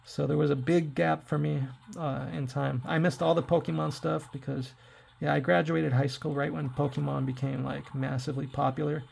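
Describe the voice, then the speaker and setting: A man in his forties talks his way through a handheld game session, addressing viewers in loose, rambling asides. His voice is worn and hoarse, deeply gravelly and raspy, and sits a touch higher than most men's. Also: level tone, normal speed, darkish tone. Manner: rambling, chatty, talks to viewers while playing. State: hoarse from throat trouble. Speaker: tech reviewer playing retro games. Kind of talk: casual gameplay commentary.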